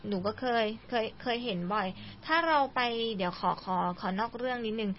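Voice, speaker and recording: Young woman host, keeps asking questions, higher voice, muffled lo-fi sound. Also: animated, fairly quick, slight background noise. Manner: chatty, asks many prompting questions. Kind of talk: radio-style lesson chat. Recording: dull lo-fi recording.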